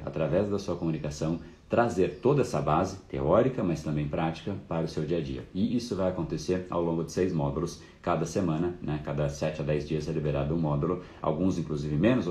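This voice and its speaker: A man's voice: low-pitched, dark tone, echoey room. A man hosting a live course talk, explaining casually and fluently with frequent fillers. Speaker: course host.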